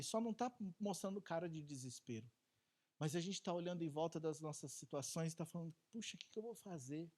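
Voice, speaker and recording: Brief: Brazilian man preaching a relaxed Sunday sermon, chatty and animated, jumping from hushed asides to loud peaks. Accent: Brazilian Portuguese. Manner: animated, with rhetorical questions to the congregation; swings between soft low asides and loud high bursts.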